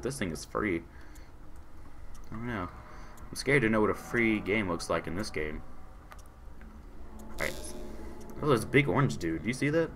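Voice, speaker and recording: A hoarse young man with a sore throat, casually commentating a game he is playing, reading on-screen messages aloud and answering them. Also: on the low side. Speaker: gaming channel host. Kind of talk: casual let's-play commentary.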